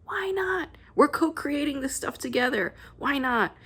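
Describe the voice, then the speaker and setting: A woman's voice: high voice, animated, unhurried, a bit bright. A woman podcast host talking casually to her listeners, chatty and repeating herself for emphasis.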